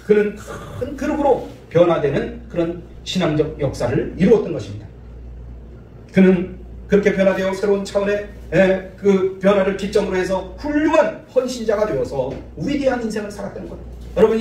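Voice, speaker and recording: A man's voice: high voice, warm tone. A male pastor preaching a sermon in a church sanctuary, telling folksy stories and acting out the dialogue, with phrases repeated for emphasis. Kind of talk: sermon with storytelling. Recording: echoey hall from far off, faint noise.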